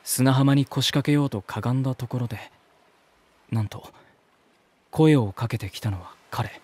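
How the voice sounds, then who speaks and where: A man's voice: mid-range voice, normal speed, a little mellow, slightly rough, dry recording, lightly acted. An actor playing an earnest, polite man who narrates his journey reflectively in an audio drama. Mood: reflective narration.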